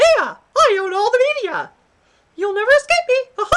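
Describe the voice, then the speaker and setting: Using a put-on character voice, a woman speaks at a moderate pace in an extremely high, squeaky pitch. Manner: playful, boastful.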